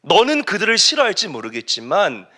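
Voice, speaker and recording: A man voicing God as a patient father who reasons gently with a stubborn prophet. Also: high-pitched, huge pitch swings, fairly quick, voice pushed up, heavily acted. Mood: pleading. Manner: gentle pleading questions.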